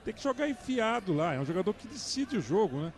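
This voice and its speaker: A man's voice: high voice, big pitch swings, quick pace. A Brazilian man giving conversational football analysis, often ending his points with little tag questions. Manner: frequent rhetorical tag questions. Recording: crowd noise behind broadcast voice. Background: stadium crowd.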